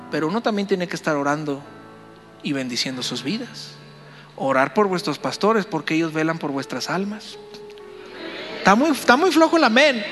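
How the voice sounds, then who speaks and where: A man, a pastor, telling a story in a sermon, animated and playful as he talks to the congregation. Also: high-pitched, big-room sound.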